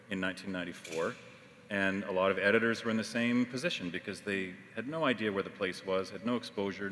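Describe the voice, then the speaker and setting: A man who teaches journalism, speaking on a panel in measured sentences with frequent fillers. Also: fairly low pitch, bright, forceful tone. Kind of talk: panel discussion. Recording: reverberant hall, faint noise.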